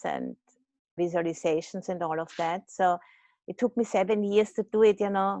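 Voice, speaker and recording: In a dry, close sound with no echo, a woman with a German accent speaks at a medium pitch with fairly even intonation. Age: 60s. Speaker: Buddhist nun and teacher. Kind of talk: dharma talk.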